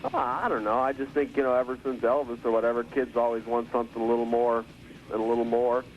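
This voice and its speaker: A record producer calling in by phone, speaking casually and hesitantly with many fillers, heard from a worn tape copy. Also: male voice, mid-range voice, level tone, quick pace. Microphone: telephone. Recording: dull phone line on worn tape with hiss.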